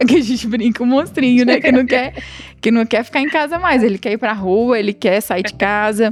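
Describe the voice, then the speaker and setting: In a Minas Gerais accent, a woman speaks. Her pitch is fairly high. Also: ordinary pitch variation, moderate pace. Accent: mineiro Brazilian Portuguese. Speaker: missionary podcast host. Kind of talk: casual chat. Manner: halting.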